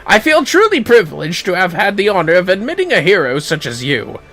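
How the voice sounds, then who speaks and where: A man's voice: sits high, wildly swooping pitch, brisk, fairly bright tone, pitched above the performer's own voice, full character voice. A man voicing a formal, admiring attendant from a game, earnest and declaiming as he reads the dialogue. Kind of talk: reading game dialogue aloud.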